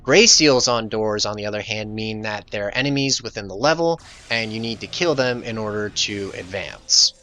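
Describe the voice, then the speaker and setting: A man's voice: on the low side, moderate pace, hardly any pauses, sharp tone. A man giving casual, jokey gameplay commentary as the host of a let's play.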